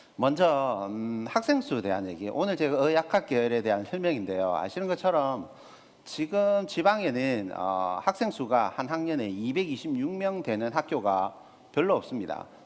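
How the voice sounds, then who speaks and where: With a Gyeongsang accent, a man of medium pitch talks at a moderate pace using very wide pitch swings. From Gyeongsang region, Korea. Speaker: college admissions counselor teacher. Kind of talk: lecture.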